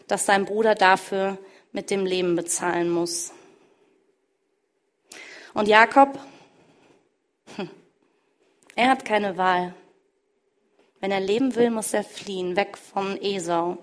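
Dramatic woman preacher. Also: fairly high pitch. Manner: emphatic, dramatic swings between loud and hushed. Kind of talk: sermon retelling a scripture story.

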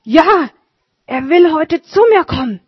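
A woman voicing a kindly, excitable old male shoemaker in a storybook reading, speaking eagerly with a raised voice. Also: high-pitched, slow, no room sound, pitched above the performer's own voice. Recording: dull lo-fi recording.

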